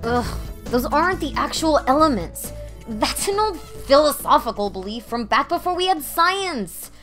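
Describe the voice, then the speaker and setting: A woman's voice: high-pitched, big pitch swings, normal speed, a bit bright, faint music behind. A woman playing a cynical, exasperated college student in her twenties, narrating and acting in an audio drama with sarcastic grumbling. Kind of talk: first-person audio drama narration and dialogue.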